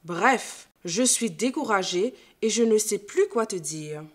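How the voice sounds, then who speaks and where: A woman's voice: medium pitch, animated, slow. A woman voicing an exasperated adult scolding a child about homework, in a reproachful, emphatic way.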